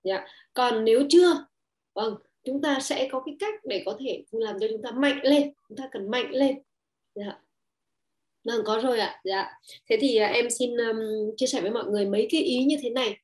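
A woman's voice: a little high, moderate pace, a little mellow. A woman giving an online talk on parenting and relationships, hesitant and full of fillers, acting out quoted lines in a raised voice.

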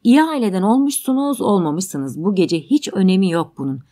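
Calm reasoning man in an audiobook drama, read by a woman, measured, mildly sardonic, steady mid pitch. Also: close to an everyday voice. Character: calm, reasoning middle-aged man drinking cognac at home.

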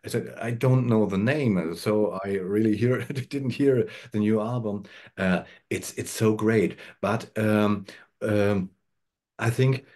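A German man in his fifties, a band member on a video call from a room at home, speaking English in halting bursts with many restarts. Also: on the low side, a little mellow. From Eastern Germany. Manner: halting, searching for words, frequent restarts; gestures with hands while talking. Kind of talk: casual video-call interview. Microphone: video call webcam.

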